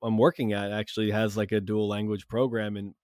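A man's voice: lowish voice, flat delivery, fairly quick, darkish tone, dry recording, clean studio sound. A young man hosting a podcast, talking in rambling casual chat with many fillers. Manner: rambling, heavy on fillers and restarts. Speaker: podcast host.

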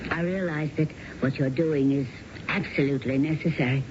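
A noisy old radio drama recording of a low female voice. It is a woman playing a gentle, patient wife who speaks in measured, forbearing phrases. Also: dull audio, natural voice. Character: gentle, patient wife of a middle-aged husband. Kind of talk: 1970s radio drama acting.

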